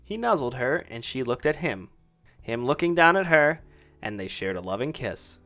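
A man narrates a fan fiction story as a dramatic reading. His mid-pitched voice moves up and down a lot, over a bed of music. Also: sing-song, moderate pace, fairly bright tone.

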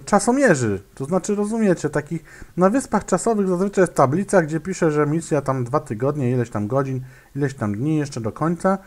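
A man giving casual gameplay commentary, muttering to himself, hesitating and making clicking sounds as he plays. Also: a little high. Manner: hesitant, many fillers and restarts.

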